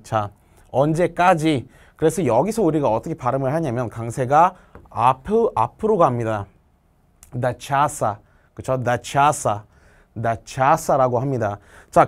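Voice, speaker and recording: A male language teacher explaining exam answers step by step, asking questions and answering them himself, and reading example sentences slowly. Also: on the high side. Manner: reads Russian example sentences slowly and clearly.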